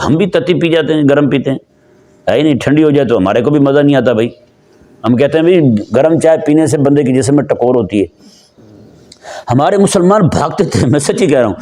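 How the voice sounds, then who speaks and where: Male preacher from Pakistan, slightly high voice, chatty sermon to a seated crowd, puts questions to listeners, slows for verses. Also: darkish tone. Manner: conversational, asks the audience questions; slows down for Quranic recitation. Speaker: Islamic preacher. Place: before a seated gathering.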